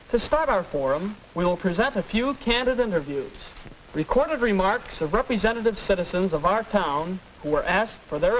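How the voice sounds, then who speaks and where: A man's voice: high-pitched, low-quality recording. A young man playing a student moderator formally announcing a radio forum, in 1940s film acting, on a hissy old film soundtrack.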